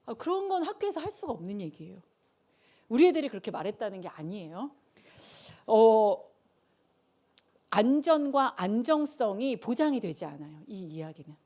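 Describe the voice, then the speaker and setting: Animated middle-aged woman preaching. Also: mid-range voice. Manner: animated storytelling with lively asides. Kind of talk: conversational sermon.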